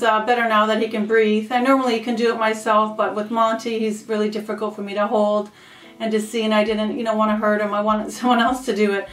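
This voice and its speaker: A woman's voice: fairly high pitch, echoey room, distant mic, poor audio. A middle-aged woman, a pet vlogger explaining things in a casual, chatty way.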